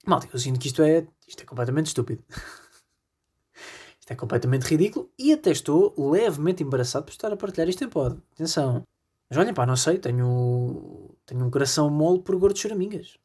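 Husky rambling Portuguese podcaster. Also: male voice, fairly high pitch, expressive, fast, dark tone. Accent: European Portuguese. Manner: rambling, self-deprecating, peppers talk with "pá". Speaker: podcast host. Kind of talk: comedic solo podcast monologue.

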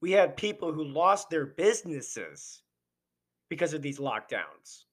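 A man delivers a heated solo commentary, firing off rhetorical questions in a voice pitched slightly above the usual male range. His voice is worn and hoarse because he is losing it. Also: very animated, unhurried, fairly bright tone. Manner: impassioned, ranting, rhetorical questions. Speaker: podcast host. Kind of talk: opinionated political commentary monologue.

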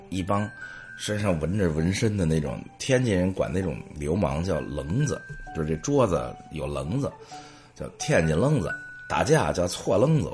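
A man's voice: sits low, darkish tone. A middle-aged man, hosting and telling humorous anecdotes in a storytelling monologue.

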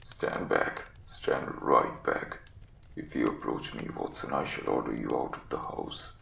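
A dying, imperious detective in an audiobook drama. The voice drops very low into a breathy, feeble croak, broken into clipped commands. It sounds roomy and set back from the microphone. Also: male voice, steady tone, a little slow, a bit bright, distant mic, slight background noise, full character voice. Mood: weak, commanding. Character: gravely ill, masterful male detective, feverish and imperious.

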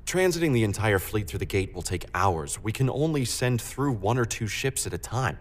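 Sober technical officer, acted by a man, fairly low, matter-of-fact, sci-fi audio drama. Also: animated, normal speed, close to an everyday voice. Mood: cautious. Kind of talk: science fiction audio drama acting.

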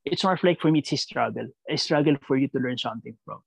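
Thinking aloud in a mix of Tagalog and English, a Filipino man gives reflective answers, stopping and repeating words along the way. His voice is creaky and mid-range. It's a low-quality recording without room sound.

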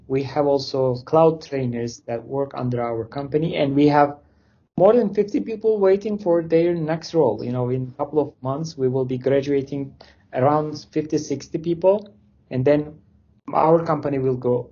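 A man's voice: a little high, creaky, mellow, husky, highs cut off. A man from Turkey speaking English, answering interview questions casually with loose phrasing and many fillers. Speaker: interview guest, company founder.

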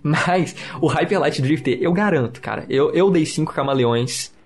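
A man's voice: a little high, expressive, normal speed. A man with a Brazilian Portuguese accent hosting a podcast in casual, slangy, enthusiastic review chat. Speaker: podcast host. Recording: music behind the voice.

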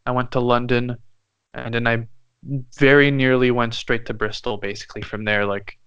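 Hesitant, smooth-voiced young man from Canada. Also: medium pitch, little pitch movement, normal speed, fairly bright tone, dry recording, lo-fi sound. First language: French. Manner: hesitant, thoughtful, many fillers and restarts. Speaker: guest musician. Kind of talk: casual interview chat.

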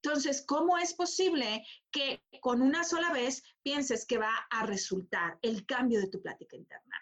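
A woman's voice: high-pitched, moderate pace. A woman giving a motivational coaching talk, emphatic and repeating phrases for stress.

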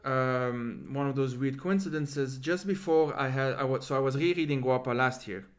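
A Lebanese podcast host with rolled R's thinks aloud during a reflective, conversational interview, circling discursively through asides. His voice is medium in pitch and his speed normal.

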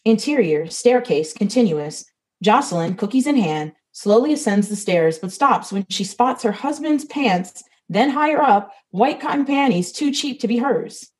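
A woman's voice: fairly high pitch, lively intonation, moderate pace, low-quality recording. A woman reading the stage directions of a comedy script, matter-of-fact.

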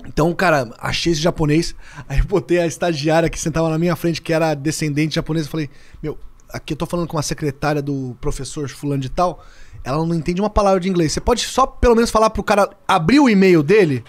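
A Brazilian man in his thirties, a sports journalist guest on a podcast, telling stories in a lively, casual way and swearing freely. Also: fairly high pitch, fast. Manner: lively storyteller, swears casually, acts out dialogue.

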